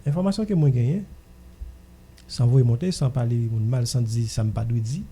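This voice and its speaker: A man's voice: mid-range voice, normal speed, mellow, slight background noise. A man with a Haitian accent talking casually as host of a radio discussion.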